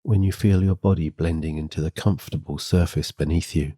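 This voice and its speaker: Very deep, dark-toned soothing man. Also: fairly even intonation, slightly rough, no room sound, studio quality. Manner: gentle, soothing, unhurried guiding delivery. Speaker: sleep hypnosis guide. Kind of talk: guided meditation, scripted hypnosis talk-down.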